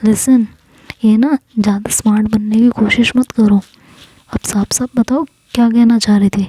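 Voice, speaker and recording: A woman's voice: a little high, steady tone, moderate pace, warm tone, breathy edge, no room sound, poor audio. A woman voicing a touchy, stubborn young woman in a whispered storytelling voice. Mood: teasing.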